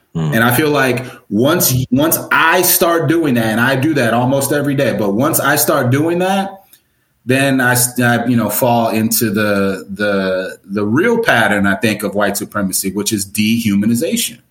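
Audible room echo surrounds a man with an American accent who speaks at a medium pitch with lively intonation. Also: moderate pace, very even loudness. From suburban Chicago, US. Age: 40s. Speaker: psychology professor and hip hop scholar. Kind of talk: interview.

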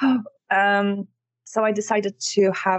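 The speaker has a Polish accent and a monotone, flat intonation. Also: woman. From Poland. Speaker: photographer and workshop teacher. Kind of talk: interview, casual conversation. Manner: halting, with restarts.

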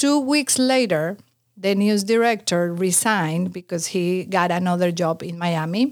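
A woman speaks at a fairly slow pace in a Colombian accent. Her medium-pitched voice has lively intonation. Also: very clean recording, silent background. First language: Spanish. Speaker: communications coach and former news anchor. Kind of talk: interview.

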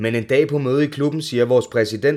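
In a very clean recording with a silent background, a man uses a normal speaking voice at a moderate pace with ordinary pitch variation. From Denmark, Ishøj (Copenhagen area). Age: 30s. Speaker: former gang member telling his life story. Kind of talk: personal testimony; spiritual advice.

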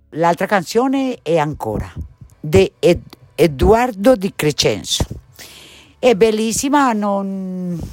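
With lively intonation, a woman speaks at a very slow pace, leaving long, frequent pauses. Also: medium pitch for a woman. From Colombia. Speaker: seamstress. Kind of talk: personal testimony. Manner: emotional.

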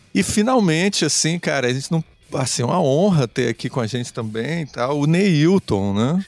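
A man speaks at a moderate pace with a fairly high pitch and lively intonation. The sound is dry and close, with no echo. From Brazil, Recife. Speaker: design professor and podcast co-host. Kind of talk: casual chat.

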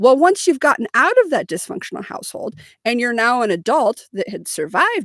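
A woman at a fairly quick pace, with very wide pitch swings and a dry, close sound with no echo. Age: 30s. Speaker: podcast co-host. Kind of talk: casual chat. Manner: excitable.

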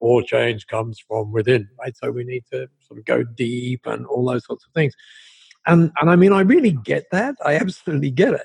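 Speaking with a slight Australian accent, a man lets his loudness swing widely. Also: moderate pace, dry, close sound with no echo. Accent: English with Australian tinge. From Dover, England. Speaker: speaker and mentor, charity founder. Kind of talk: interview, casual chat.

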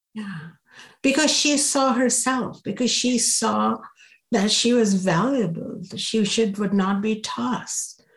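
A woman's somewhat breathy, fairly high voice at a very slow pace, with ordinary pitch variation. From India, Ayodhya. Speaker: spiritual teacher and author. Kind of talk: interview.

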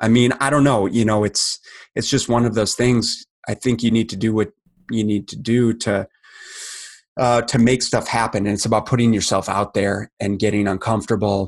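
A man with an American accent speaks in a plain, everyday voice at medium pitch and a moderate pace. The recording is very clean, with a silent background and a dry, close sound with no echo. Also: fairly even intonation. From Minnesota (Minneapolis), US Midwest. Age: 40s. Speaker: fitness and nutrition coach. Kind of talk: interview conversation.

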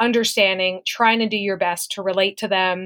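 With a Canadian accent, a woman talks in a plain, everyday voice at a medium pitch. Her pace is moderate and her intonation fairly even. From Ottawa, Canada. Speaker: sales director. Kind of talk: interview.

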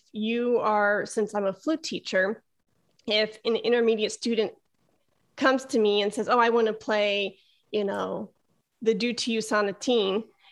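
An ordinary speaking voice, a woman at a fairly high pitch with fairly even intonation and a moderate pace. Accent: American. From Chicago, US Midwest. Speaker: flutist, music mentor and educator. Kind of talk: interview.

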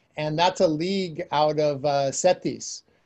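Delivered with an American accent, the speech moves at a fairly slow pace with fairly even intonation. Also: man. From Los Angeles, Southern California. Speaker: former neuroscientist, nonprofit founder. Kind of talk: interview.

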